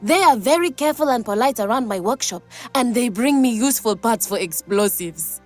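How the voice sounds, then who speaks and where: An actress voicing a manic, cheerful young woman in a video game, excitable and giggly, with a gleeful passion for explosives. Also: on the high side, a little fast, faint music behind, lightly acted. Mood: chatty, earnest. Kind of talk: video game character acting.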